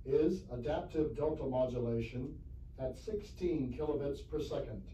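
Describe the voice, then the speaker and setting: A man reading scripted technical narration in a formal, measured manner on a 1970s flexi-disc. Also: medium pitch, warm tone. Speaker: narrator of a demonstration recording. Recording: roomy, distant, faintly hissy 1970s flexi-disc recording.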